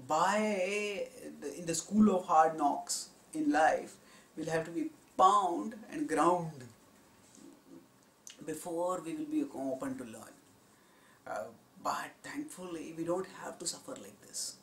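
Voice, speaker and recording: A man giving a spiritual discourse on scripture, in a measured, explanatory teaching tone. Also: fairly high pitch, slight background noise. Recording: roomy echo.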